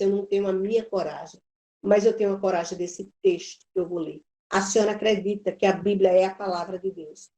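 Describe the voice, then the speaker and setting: A woman's voice: mid-range voice, dark tone. A woman teaching a Bible institute class, telling a personal story in an emphatic, preacherly way with lots of repetition.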